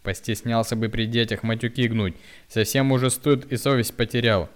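A man's voice: mid-range voice, steady tone, moderate pace, pitched above the performer's own voice, lightly acted. A man voicing a weary middle-aged village woman who pleads with and scolds her drunk husband in rustic speech. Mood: scolding plea.

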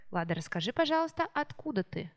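A woman who is a hospital teacher hosting a podcast, patiently prompting children with gentle follow-up questions. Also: fairly high pitch, sing-song, fast. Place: children's rehabilitation centre.

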